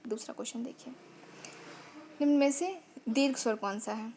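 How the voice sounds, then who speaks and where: A woman's voice: a little high, moderate pace, a little mellow, a little hiss or hum. A woman teaching grammar in an online lesson, sounding out vowels and repeating phrases as she explains.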